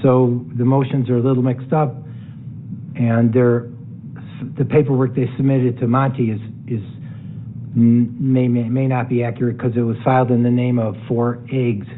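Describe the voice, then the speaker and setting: A man's voice: mid-range voice, flat delivery, moderate pace. City official guy explaining stuff to the council, chatty, thin tinny audio. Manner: conversational, explanatory, self-correcting. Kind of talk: explaining agenda items at a council meeting. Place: large city council chamber, indoors. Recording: tinny, phone-like sound.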